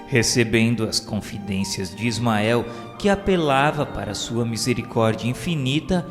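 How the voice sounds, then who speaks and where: A man's voice: medium pitch, moderate pace. A man narrating a scripted religious radio drama in a formal, solemn, declamatory way. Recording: reverberant, with music underneath.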